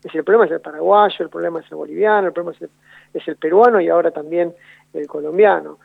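A man with an Argentine accent, a radio guest giving measured, analytical answers and often rephrasing himself. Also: fairly high pitch, vocal fry, dry recording. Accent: Argentine Spanish. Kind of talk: radio phone interview. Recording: tinny phone line on radio.

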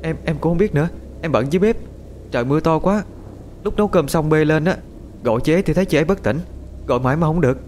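A man voicing a flustered aunt who talks in a high, hurried, stumbling way in a horror audiobook. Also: a little mellow, a little hiss or hum, close to an everyday voice. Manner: high, breathless, stumbling explanations.

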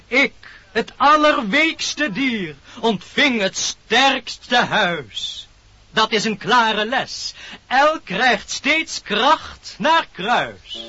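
High-voiced pompous little preacher animal. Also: male voice, pushed and bright, exaggerated voice. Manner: pompous, solemn, declamatory. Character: pompous preaching small animal, scholarly and solemn. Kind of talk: declaimed rhyming funeral sermon in radio play. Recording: dull old radio recording.

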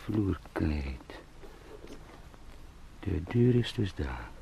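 An actor playing a travelling salesman turned beetle in a radio drama, thinking aloud in halting murmurs, oddly calm and resentful. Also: low voice, gravelly, a little hiss or hum, heavily acted. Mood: musing, halting. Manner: halting, murmured fragments, sometimes whispering. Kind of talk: radio drama, slow interior monologue.

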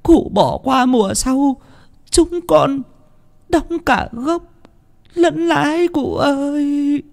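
Brief: frail elderly peasant woman, whimpering and begging, very high gravelly voice, slow and drawn out, as a male narrator puts her on. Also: a little mellow, exaggerated voice. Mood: pleading. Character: poor old peasant mother, frail and pleading.

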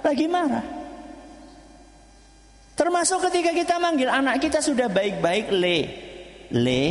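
A man with a Javanese accent giving an Islamic lecture, asking the audience questions and waiting for their answers. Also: extremely high pitch. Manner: lively call-and-response with audience. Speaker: preacher. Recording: echoey hall.

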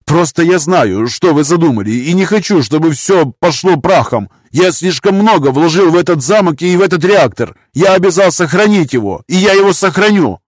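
A man voicing a panicky older male scientist with a shrill, quavering falsetto. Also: lively intonation, moderate pace, hardly any pauses, no echo, clean studio sound. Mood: desperate.

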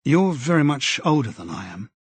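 A man voicing a cautious, earnest middle-aged man in an audiobook, speaking in a measured, tentative way. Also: mid-range voice, very animated, breathy edge, dry recording. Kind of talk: audiobook character voice.

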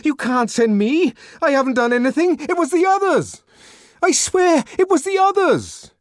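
A man's voice: sing-song, normal speed, a little mellow, no echo, clean studio sound. A man voicing a hysterical young man who begs and sobs in frantic panic. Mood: panicked pleading. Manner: shrill, sobbing, frantic begging.

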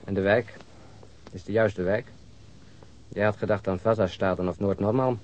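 Through clear noise on an old radio drama recording comes an actor as a male police detective. His voice sits fairly low, and he is blunt, questioning and matter-of-fact. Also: steady tone, moderate pace, a little mellow, close to an everyday voice. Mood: dry, questioning. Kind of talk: naturalistic radio drama acting.

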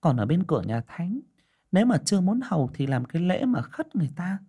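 A man voicing an older female fortune-teller who frets and explains in quick bursts. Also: high voice, very animated, warm tone, husky, voice pushed up, full character voice. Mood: fretful. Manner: fussy, exclaiming, talks fast in bursts. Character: older woman fortune-teller, fretful and worried.

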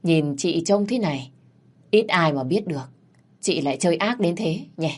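A woman voicing a wealthy older man who speaks calmly but questions and reproves. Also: fairly low pitch, moderate pace, husky. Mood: skeptical. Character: wealthy older man, flustered then sharply skeptical.

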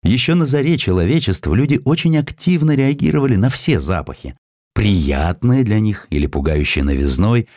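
Deep expressive male narrator, dry sound. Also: moderate pace, dry recording. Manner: expressive reading, voices characters in quoted lines. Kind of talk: audiobook narration of a historical essay with acted dialogue.

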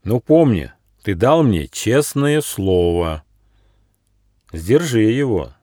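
Wise storybook gnome, calm and stern, lively inflection, read by a man. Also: lowish voice, takes it slowly, dry recording, studio quality, exaggerated voice.

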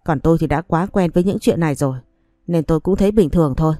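A blunt, fed-up young husband, cold and reproachful toward his wife, as a woman narrator voices him in an audiobook. The voice sits low and mellow, close and dry. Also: fast talker, dry recording, soft background music, close to an everyday voice. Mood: weary. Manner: cold, accusing, flatly reproachful. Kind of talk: audiobook story reading.

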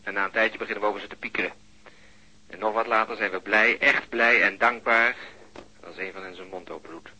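An actor playing a reflective murder detective who talks in a thoughtful, musing way. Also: male voice, fairly low pitch, steady tone, a little fast, sharp tone, slightly rough, exaggerated voice, low-quality recording. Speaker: police detective. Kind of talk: radio drama acting.

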